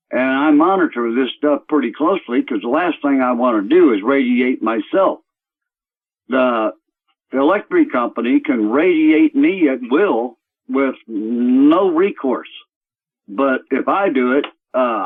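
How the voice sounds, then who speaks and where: A man phones into a talk show on speakerphone from his computer, so his voice comes through thin and tinny, like a phone line. He talks at a plain middle pitch and rambles, stalling often on fillers as he searches for words. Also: husky. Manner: rambling, halting with many fillers. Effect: on speakerphone over a computer call. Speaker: caller. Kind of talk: radio call-in talk.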